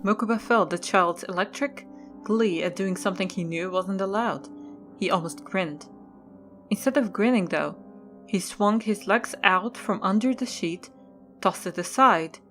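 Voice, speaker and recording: Woman narrating over soft music. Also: medium pitch. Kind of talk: scripted audio drama narration.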